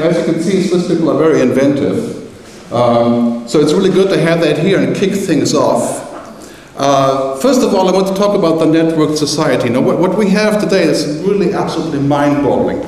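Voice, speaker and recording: A middle-aged man giving a lively conference keynote, joking as he gestures on stage. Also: fairly high pitch. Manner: animated, gesturing, joking asides. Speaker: keynote speaker. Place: large conference hall. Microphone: headset mic. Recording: echoey hall, voice from far off.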